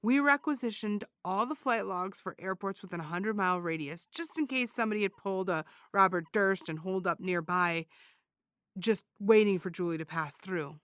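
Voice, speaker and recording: A woman's voice: medium pitch, moderate pace, a bit bright, dry recording, clean studio sound, lightly acted. A woman playing a wry podcast investigator. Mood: eager. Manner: wry, playfully theatrical. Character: wry female podcast investigator, theatrical, sardonic. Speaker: true-crime podcast host. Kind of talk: audio drama acting.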